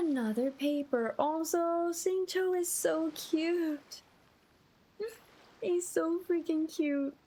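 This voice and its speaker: A woman's voice: very high voice, takes it slowly, warm tone, rough recording. A woman livestreaming a game, chatting casually and gushing in a friendly way to her viewers. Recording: game music behind the voice.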